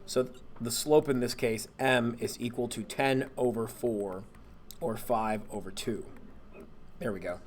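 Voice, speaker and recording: A man, a math teacher, relaxed and thinking aloud as he walks through homework problems and corrects himself along the way. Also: medium pitch, unhurried, a little hiss or hum. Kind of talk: homework walkthrough screencast.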